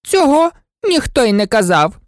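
A woman voicing the Red Queen, an imperious and impatient queen who scolds and commands, in a storybook reading with a high, loud voice. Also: sing-song, normal speed, dry recording, studio quality. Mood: lecturing. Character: bossy, imperious older queen.

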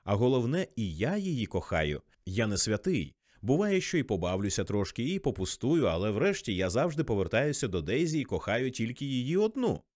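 A man's voice: mid-range voice, big pitch swings, fairly quick, few pauses, a little mellow, no room sound, studio quality, lightly acted. A man voicing a jealous wealthy husband who blusters and bullies indignantly. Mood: blustering.

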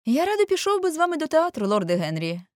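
A woman voicing an eager, naive young man who speaks in bright, excited exclamations well above her own voice. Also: sits high, fast talker, dry recording, clean studio sound, pitched above the performer's own voice.

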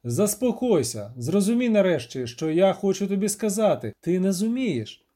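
A man's voice: high-pitched, big pitch swings, normal speed, dark tone, voice pushed up. A man voicing a tough witcher who insists on being heard in a fantasy audiobook. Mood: insistent.

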